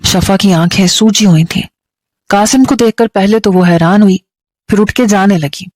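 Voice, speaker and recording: A woman storyteller with a Pakistani Urdu accent reading a dramatic story in a steady, emotive way. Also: mid-range voice, no echo.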